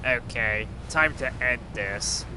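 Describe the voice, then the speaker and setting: Man acting a flippant superhero, noisy rumbling recording. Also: slow, lightly acted. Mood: deadpan. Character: blunt, flippant male superhero, once a toy bird. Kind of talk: amateur audio drama acting. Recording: clearly noisy with low rumble.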